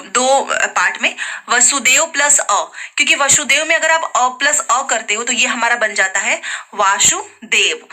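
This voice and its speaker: A woman's voice: high voice, pushed and bright. A woman teaching a grammar lesson in speech, patiently repeating examples aloud for her students.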